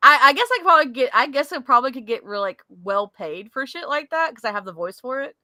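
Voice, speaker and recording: A bright, animated woman's voice with a fairly high pitch, heard dry and close. She co-hosts a casual gaming podcast, giggling and teasing as she chats. Her talk bounces around with lots of laughter. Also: fast talker, no room sound. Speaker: podcast co-host.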